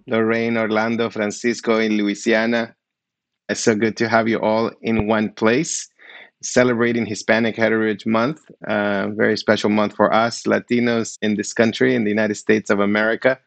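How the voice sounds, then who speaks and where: A man's voice: fairly low pitch, flat delivery, normal speed, creaky, no echo, faint music behind. Man, middle-aged, podcast host, upbeat, welcoming, dry close sound. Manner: upbeat, welcoming, asks follow-up questions. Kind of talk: friendly interview hosting.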